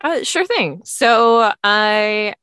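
A woman's voice: mid-range voice, animated, extremely slow, pushed and bright, smooth, no room sound, clean studio sound. A woman from the American South, an author guest in a casual interview, talking hesitantly with frequent restarts.

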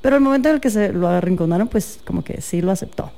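A young woman with a Guatemalan Spanish accent talks as an interview guest, her tone mellow and warm. She tells her stories in an unhurried, thoughtful way, pausing and hedging now and then as she works out what to say. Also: medium pitch, expressive, gravelly. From Guatemala City. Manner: thoughtful, storytelling with hesitations. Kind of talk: casual conversational interview.

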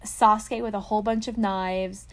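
A woman's voice: mid-range voice, fairly even intonation, moderate pace. A woman co-hosting a casual podcast, recapping episodes with playful, laughing asides. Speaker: podcast co-host.

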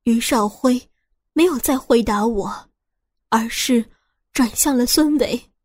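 A woman narrating a first-person audio story in a slow, hushed, tense way. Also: fairly high pitch, no echo.

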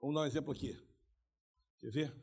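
A man preaching a lively sermon. He keeps calling his listeners "irmão", stages role-play with the crowd and breaks into shouts. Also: medium pitch, fast talker, gravelly, slightly rough. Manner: animated, calls listeners "irmão", bursts into shouts.

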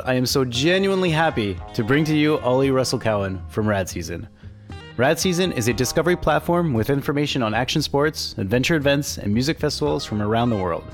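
A man hosting a casual podcast interview, enthusiastic and chatty, who laughs easily. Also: medium pitch. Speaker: podcast host.

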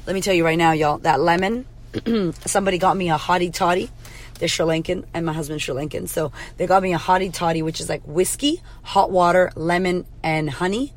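Husky-voiced woman giving a blunt pep talk. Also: on the low side, fairly quick. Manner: blunt, swears freely, motivational. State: hoarse from karaoke. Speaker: podcast host, confidence coach. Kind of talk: casual pep-talk monologue.

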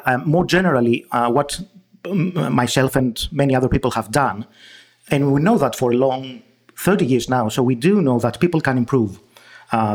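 A man from Greece with a Greek accent, a guest researcher in an interview, explaining with frequent restarts and fillers. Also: medium pitch. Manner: hesitant, many restarts and fillers.

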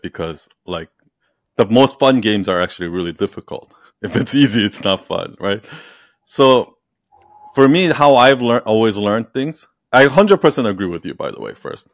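A man's voice: fairly low pitch, lively intonation, moderate pace, dry recording, clean studio sound. A man hosting a podcast conversation, talking loosely with lots of "like" and restarts. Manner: loose and rambling, full of "like" and restarts. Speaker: podcast host.

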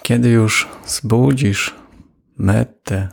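Male meditation guide, very slow, heavy vocal fry, low husky voice. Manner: slow, calm, with long pauses. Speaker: meditation teacher.

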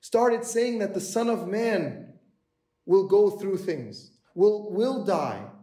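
A man's voice: high-pitched, expressive, slow pace, dark tone. Conversational male preacher in echoey room. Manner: conversational, acts out quoted voices of the story. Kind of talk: sermon.

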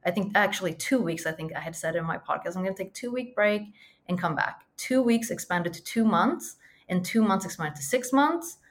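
As a podcast guest in a conversational interview, a Swedish woman speaks earnestly and reflectively, repeating things for emphasis. Her mid-range voice is expressive and fairly quick, with a light Swedish accent beneath a mostly American sound.

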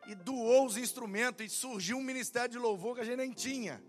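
A man's voice: very high voice, fairly quick, soft background music. A young man preaching as a pastor, telling a story and acting out the dialogue. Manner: animated, acts out dialogue in quotes. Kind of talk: sermon storytelling.

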